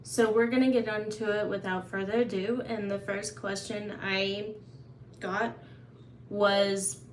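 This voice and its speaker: An Oklahoma woman hosts a casual live Q&A, answering viewers' questions in a chatty, open way. Her mid-range voice is flat and measured, recorded in an echoey room with faint ambience and a little hiss or hum.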